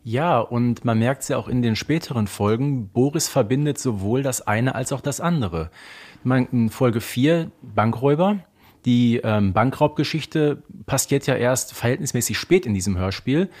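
A man co-hosting a talk podcast, chatting about an audio drama series like an animated storyteller and posing rhetorical questions. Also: mid-range voice, normal speed. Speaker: podcast co-host.

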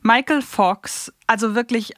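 A woman's voice: a little high, a little slow, dry recording. A woman co-hosting a fan podcast in casual conversation, speaking close to the microphone. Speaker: podcast co-host.

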